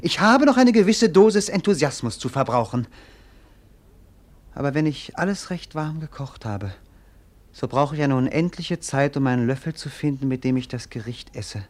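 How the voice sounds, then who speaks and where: An actor playing a bored, melancholy young prince in a radio play, declaiming lyrically. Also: male voice, mid-range voice, expressive, moderate pace, close to an everyday voice. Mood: restless, fervent. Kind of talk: theatrical German radio play acting.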